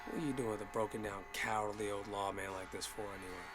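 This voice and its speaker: An actor playing a menacing outlaw gang leader in a western, taunting with mock politeness that can turn to yelling. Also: male voice, on the low side, steady tone, quick pace, natural voice. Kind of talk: western film acting. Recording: dramatic music under the dialogue.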